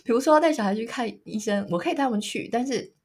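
Woman, 30s, from Taiwan, podcast co-host; husky, chatty storyteller. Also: on the high side, lively intonation, very fast. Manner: chatty storyteller, laughs often. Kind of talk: casual chat.

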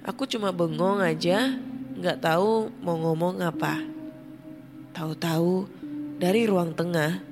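A woman with a fairly low voice tells a first-person horror story in a tense, hushed manner. Music plays clearly underneath her narration.

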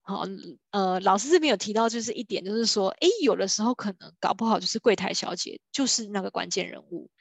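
A woman's voice: medium pitch, fast talker, vocal fry, dry recording. A woman, talking about a sales book in a casual lecture style, full of little fillers and acted-out quotes. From Taiwan. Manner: chatty, many fillers like 哈 and 哦, acts out quoted people. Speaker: book-sharing speaker on B2B sales.

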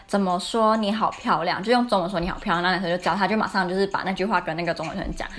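A woman's voice: fairly low pitch, fairly even intonation, very fast, fairly bright tone. A young woman from Taiwan with a Taiwanese Mandarin accent, hosting a podcast and telling personal stories in a chatty, candid, confiding way. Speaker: podcast host. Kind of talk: casual storytelling chat.

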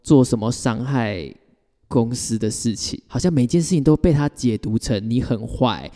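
A man's voice: mid-range voice, moderate pace, warm tone, in a large hall, soft background music. A man co-hosting a casual podcast, reacting bluntly and giving strong opinions with mild swearing. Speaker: podcast co-host. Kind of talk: casual chat.

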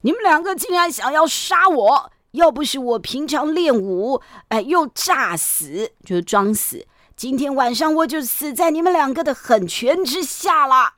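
A woman's voice: high voice, expressive, moderate pace, a bit bright, no echo, studio quality. A woman doing an indignant scolding old man. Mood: furious.

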